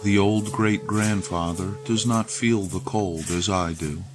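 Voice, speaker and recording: A man's voice: on the low side, steady tone, unhurried, close to an everyday voice. A man voicing a selfish trickster spirit from a storybook legend, pleading and self-justifying. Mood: scheming. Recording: loud music behind the voice.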